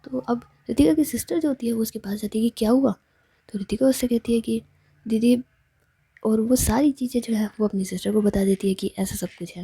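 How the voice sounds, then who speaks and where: Husky, hushed woman storyteller. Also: mid-range voice, no room sound. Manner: hushed, half-whispered delivery. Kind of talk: soft-spoken storytelling.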